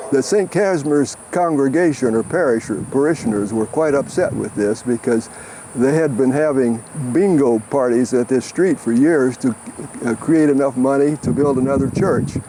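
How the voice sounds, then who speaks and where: With an American accent, a man speaks at a moderate pace and medium pitch, his loudness very even and his pitch variation ordinary, over noticeable background noise. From Kansas City, USA. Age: 80s+. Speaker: former parishioner. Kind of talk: interview answer.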